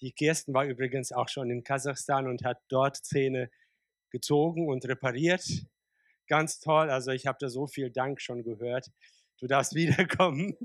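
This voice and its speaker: A man's voice: medium pitch, steady tone, normal speed, no room sound. A man in his forties, a pastor born in Kazakhstan, preaching a sermon in a conversational way with frequent fillers and restarts. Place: church service.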